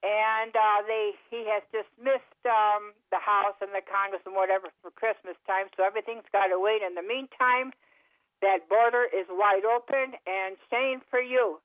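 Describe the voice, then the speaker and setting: A woman's voice: mid-range voice, steady tone, normal speed, no room sound. Ask for a woman radio caller on a tinny phone line. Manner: chatty, then heated political ranting. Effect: caller heard over a phone line. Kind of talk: call-in talk radio.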